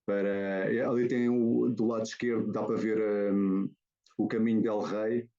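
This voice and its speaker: A lowish, dark-toned man speaking with a European Portuguese accent. He talks his way through a slide presentation, stopping and restarting often as he goes. The sound is dull and lo-fi, like a video call. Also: little pitch movement, a little slow. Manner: hesitant, many fillers and restarts. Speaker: guest photographer.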